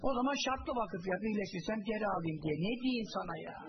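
Male preacher with a high voice, quotes and translates Arabic, muffled hissy archive tape. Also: lively intonation, fast talker. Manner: asks rhetorical questions and answers them himself; quotes Arabic phrases and translates each one. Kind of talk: religious talk to a congregation.

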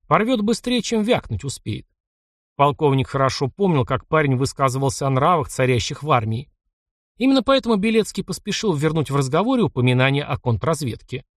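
A man narrating an audiobook in a measured, expressive reading. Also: fairly high pitch, dry recording, clean studio sound.

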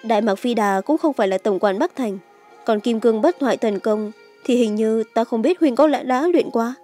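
A woman's voice: on the high side, moderate pace, warm tone, faint music behind, close to an everyday voice. A woman voicing a fierce, devoted young swordswoman with anguished feeling in a martial-arts audiobook. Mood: earnest, grateful.

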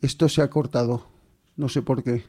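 Casting: male host, husky and informal, streaming on a headset. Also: mid-range voice, fairly even intonation, normal speed, dark tone. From Aragón, Spain. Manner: informal, hesitant, colloquial. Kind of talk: casual online interview. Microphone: headphones with mic, remote stream.

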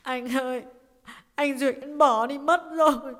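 A man's voice: fairly even intonation, a little slow, a bit bright. A man playing a sobbing, wailing young woman. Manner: wailing, crying high. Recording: echoey hall reverb.

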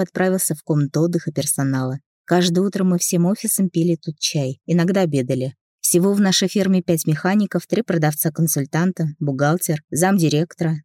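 A woman narrating a first-person novel aloud in a plain, steady manner. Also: low voice, no room sound, clean studio sound. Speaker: audiobook reader.

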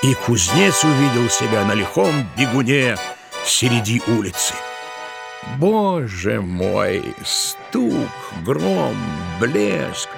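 Male narrator, creaky medium-pitched voice, expressive literary storytelling, music behind. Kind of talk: dramatic scripted literary narration.

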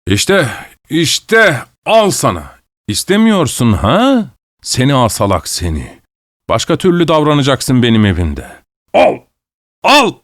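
A man reading an audiobook, voicing a brutal peasant husband who shouts harsh insults. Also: fairly low pitch, lively intonation, a little slow, long pauses, smooth, no echo, clean studio sound. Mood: furious.

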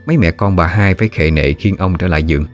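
A man narrating a ghost story in a steady, unhurried way. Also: sits low, soft background music.

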